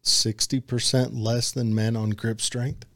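A man's voice: mid-range voice, level tone, measured pace, fairly bright tone. Man with a folksy Appalachian hillbilly accent. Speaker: talk show co-host. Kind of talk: casual chat, reading out listener comments.

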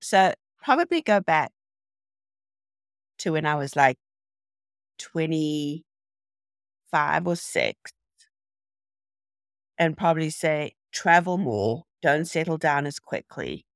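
A woman's voice: low-pitched, big pitch swings, slow, long pauses, no room sound, clean studio sound. A middle-aged woman with a South African accent, a native Afrikaans speaker, chatting reflectively as an interview guest. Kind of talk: casual interview conversation.

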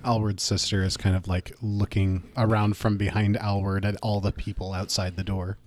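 A man narrating a tabletop role-playing podcast as game master, in a measured storytelling style. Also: lowish voice, flat delivery, a little mellow, slight background noise.

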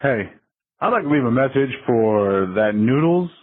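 A man's voice: mid-range voice, expressive, normal speed, lightly acted. A man putting on a rude, mocking male prank caller who leaves an insulting voicemail. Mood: taunting. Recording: tinny phone-line voicemail.

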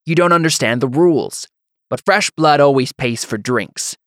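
A man voicing a belligerent, hotheaded young laborer in a fantasy audiobook, mocking and blustering in rough colloquial speech. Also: medium pitch, lively intonation, normal speed, fairly bright tone, dry recording, studio quality, pitched above the performer's own voice, lightly acted. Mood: mock patient.

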